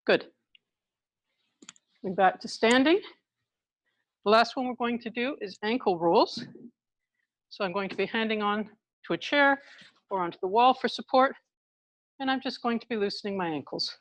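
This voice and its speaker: A woman leading an exercise class through a face mask, talking calmly step by step as she demonstrates each move. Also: a little high, moderate pace, pauses often, dry recording. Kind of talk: live exercise instruction, demonstrating while explaining. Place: indoors in a hospital building.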